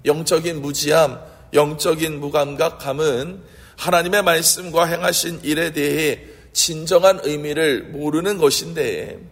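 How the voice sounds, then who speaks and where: Man, pastor, sermon, high voice, husky, earnest and fervent, long hall echo. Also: moderate pace. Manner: earnest, rising in fervor, rhetorical questions.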